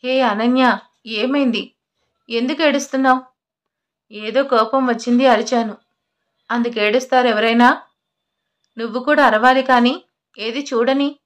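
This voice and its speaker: A woman's voice: a little high, steady tone, measured pace, long pauses, natural voice. A woman voicing a stubborn, hot-tempered young husband in an audio love story, scolding and then apologizing. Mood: worried.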